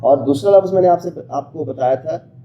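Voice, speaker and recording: A man's voice: a little high, fairly quick, lo-fi sound, faint music behind. A man teaching pronunciation in an interactive lesson, emphatically sounding out letters and quizzing his listener with short questions. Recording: echoey room with steady background noise.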